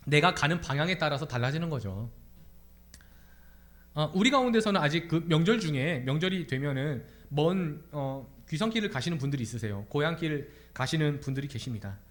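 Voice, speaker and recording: Casting: young male preacher, lively sermon delivery with a high, expressive voice. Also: brisk. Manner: animated, asks the congregation many questions. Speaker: pastor. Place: church sanctuary.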